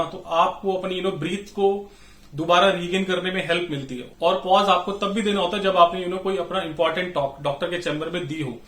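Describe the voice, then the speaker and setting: A man's voice: sits high, a bit bright, echoey room. A man in his thirties giving a chatty sales-training lesson, calling viewers friends and filling gaps with "you know". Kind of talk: instructional talk to camera.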